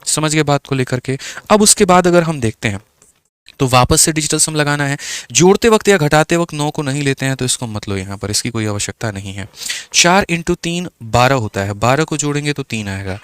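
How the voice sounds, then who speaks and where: A man's voice: mid-range voice, expressive, a little fast, fairly bright tone, clean tone, no echo. A man teaching exam-prep maths, explaining step by step and asking the class questions as he works through each answer. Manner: keeps addressing the viewer as "my brother".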